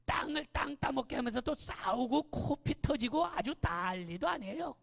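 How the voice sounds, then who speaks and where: A male pastor preaching a lively sermon in a church, often raising his voice and prodding the congregation with quick questions. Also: very high voice, vocal fry. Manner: animated, often shouting, keeps asking the congregation "eh?". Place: church sanctuary. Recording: long church-hall reverb.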